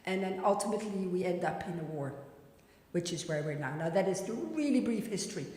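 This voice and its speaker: In a very echoey, reverberant hall, a woman teaches a scripture class, reciting passages and explaining them in plain, informal words. Her voice is on the low side and darkish, animated and a little fast.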